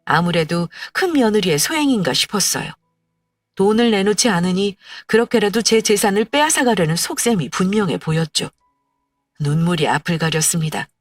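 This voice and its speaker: A woman's voice: fairly low pitch, dry recording. A woman reading a first-person story in a plaintive, scripted narration, recorded dry and slightly distant. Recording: dry, a little distant, faint music.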